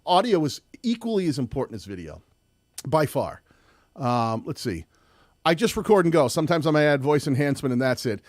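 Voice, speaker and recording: A man with a loud voice hosting a live-streamed tutorial, chatty and rambling with frequent restarts. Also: a little high, big pitch swings, fairly quick, dry recording, studio quality. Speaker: host.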